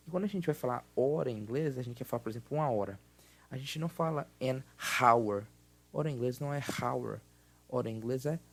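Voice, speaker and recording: A Brazilian man with a Portuguese accent who teaches an English grammar lesson. He explains patiently and repeats words slowly to model their pronunciation. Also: medium pitch, creaky, a little mellow, husky.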